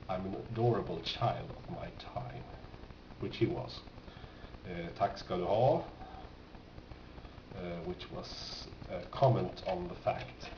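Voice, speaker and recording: A man with a Swedish accent, a native Swedish speaker, talks casually and haltingly as he shows items from his collection, often pausing mid-sentence. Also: sits low. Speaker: record collector presenting finds. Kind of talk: casual unscripted show-and-tell. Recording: dull, echoey, noisy amateur room recording.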